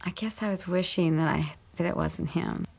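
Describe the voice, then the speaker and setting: A middle-aged mother recounting in an interview the day her son was hurt, speaking in a measured, earnest way. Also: on the low side, vocal fry, a bit bright, slight background noise. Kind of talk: interview recollection. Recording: music bed under voice.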